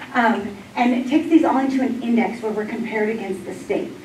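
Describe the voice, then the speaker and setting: In a room with audible echo and noticeable background noise, a woman talks with ordinary pitch variation. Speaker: school program coordinator. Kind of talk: presentation to school board. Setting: public meeting.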